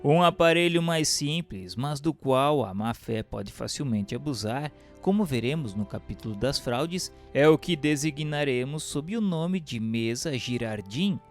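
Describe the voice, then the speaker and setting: A man giving a measured, solemn scripted reading of a religious book as narrator. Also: medium pitch, lively intonation, faint music behind.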